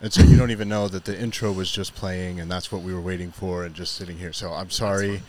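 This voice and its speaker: A man with a fairly low voice hosts a casual podcast on location. He talks informally and jokily, rambling as he goes. There is some faint noise around him. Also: fairly even intonation, fast talker, darkish tone. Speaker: podcast host. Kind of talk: casual chat. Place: on location at an eatery.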